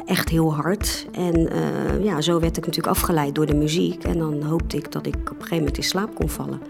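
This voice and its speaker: A woman casually recalling her teenage nights, hesitating and filling pauses as she talks. Her voice is gravelly with creak and stays quite flat in pitch. Music plays clearly behind her. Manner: hesitant, many fillers. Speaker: interviewee. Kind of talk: casual recollection.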